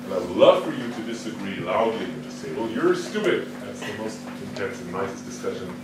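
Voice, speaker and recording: A man's voice: on the low side, a little fast. Man speaking in an echoey hall. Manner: questioning, lively, self-correcting restarts. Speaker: conference speaker. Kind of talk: technical conference talk. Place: large conference room. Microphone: no microphone, distant recording. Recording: echoey hall recorded from far off, noisy.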